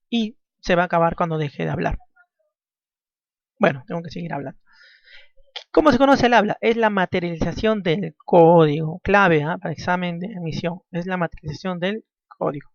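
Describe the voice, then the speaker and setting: A man's voice: high voice, gravelly, dry recording. A man teaching a language class, repeating key points and ending nearly every phrase with a questioning tag. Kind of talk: classroom lecture. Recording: dull dry lo-fi recording.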